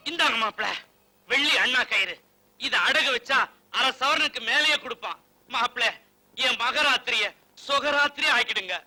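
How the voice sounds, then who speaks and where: An actor playing a hot-tempered older father-in-law in a film comedy, loud and threatening. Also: very high-pitched, moderate pace, pauses often, heavily acted, poor audio. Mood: cajoling. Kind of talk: 1990s Tamil film comedy acting.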